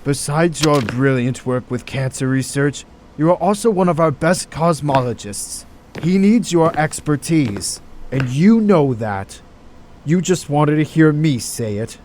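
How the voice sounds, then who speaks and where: A man's voice: on the high side, expressive, measured pace, a little mellow, slight background noise. A man acting in an audio drama as a stern, indignant senior hospital doctor with a formal, reproachful manner.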